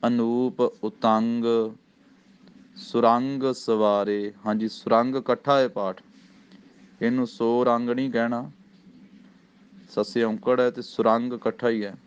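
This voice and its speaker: A man with a Punjabi accent teaching scripture recitation, chanting each phrase slowly and then explaining the pronunciation in plain speech. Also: medium pitch, smooth. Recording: slightly dull, lo-fi recording.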